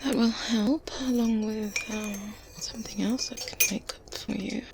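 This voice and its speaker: With a natural, mid-range voice and fairly even intonation, a woman whispers through an ASMR roleplay as a wise, kindly older witch, wry yet soothing. Her delivery is soft, breathy and unhurried, full of pensive pauses and murmured hums, set against medieval ambience and a faint ambient noise bed.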